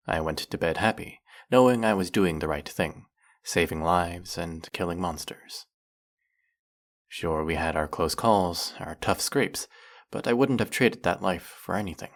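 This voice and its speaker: A man playing a brooding, centuries-old vampire who hunts his own kind, speaking in a measured, dramatic roleplay monologue with a gravelly voice. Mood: wistful. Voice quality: gravelly, low. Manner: slow, measured, dramatic pauses.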